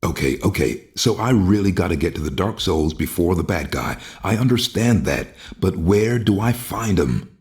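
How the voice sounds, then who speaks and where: A very deep, brooding undead antihero. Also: male voice, expressive, normal speed, hardly any pauses, a little mellow, breathy edge, no echo, studio quality, exaggerated voice. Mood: wary, weary. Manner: brooding, sardonic, street-tough slang. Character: brooding, world-weary undead male warrior, bitter and fatalistic. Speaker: video game voice actor. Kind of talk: dramatic game cutscene acting. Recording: background music under the voice.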